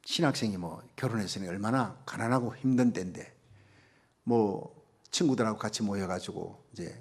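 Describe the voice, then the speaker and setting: A middle-aged male pastor giving a sermon, telling a story in a hushed voice and rising to loud, fervent preaching. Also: fairly low pitch, slightly rough.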